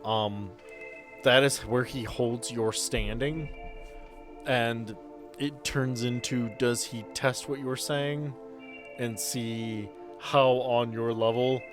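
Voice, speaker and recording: Male game master with a mid-pitched voice. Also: steady tone, slow pace, music in the background. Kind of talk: improvised tabletop game narration.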